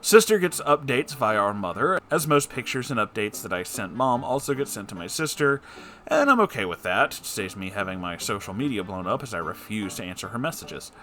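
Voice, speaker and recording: A man's voice: lowish voice, sing-song, a little fast, a bit bright. A man hosting a letter-reading show, performing listeners' letters expressively and answering with wry, conversational advice. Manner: theatrical, wry asides.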